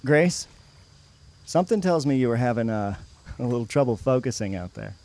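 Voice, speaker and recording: Man playing a mellow, frank teenage buddy. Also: mid-range voice, lively intonation, normal speed, close to an everyday voice. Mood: teasing, encouraging. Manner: casual, nudging, frank. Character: frank, teasing youth-group friend, a teenage guy. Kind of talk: naturalistic audio drama dialogue.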